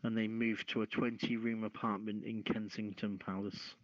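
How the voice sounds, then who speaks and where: A man hosting a live voice-chat show, reading items aloud and chatting to listeners in a halting way. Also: fairly low pitch, little pitch movement, dry recording. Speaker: host. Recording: dull lo-fi voice-chat audio.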